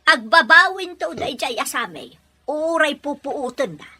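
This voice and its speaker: An actress playing a stern, resentful mother in a radio drama, nagging and exasperated, with a husky voice and Filipino Ilocano accent. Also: high voice, very animated, a little slow, bright, forceful tone, exaggerated voice. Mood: scornful.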